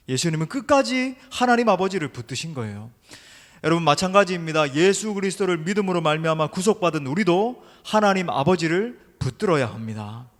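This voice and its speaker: During an evening service, a middle-aged senior pastor preaches a sermon with emphasis in a church sanctuary, the sound carrying its long reverb. His voice sits a little high for a man, and he repeatedly addresses the congregation directly.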